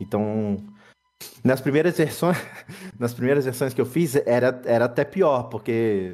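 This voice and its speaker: A man's voice with a dark, mellow tone. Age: 30s. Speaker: fiction author. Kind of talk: casual chat.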